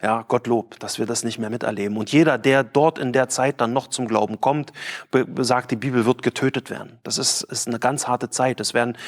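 A man preaching a sermon, earnest and emphatic, asking rhetorical questions and reading scripture with dramatic emphasis. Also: medium pitch. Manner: quotes scripture with raised, dramatic voice.

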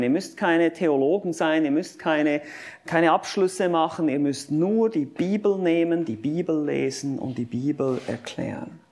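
A man's voice: on the high side, darkish tone. Guy preaching, voice goes up and down a lot, emphatic, keeps asking the crowd questions. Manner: emphatic, with rhetorical questions and repeated lists; addresses listeners directly. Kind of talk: sermon.

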